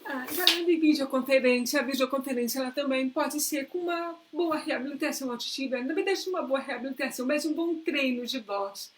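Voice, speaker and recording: A Brazilian woman with a high-pitched voice hosts a live interview over a video call. She talks casually and builds long questions for her guest. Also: fairly quick, few pauses, a little hiss or hum. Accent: Brazilian Portuguese. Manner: conversational, asks long framed questions. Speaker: host.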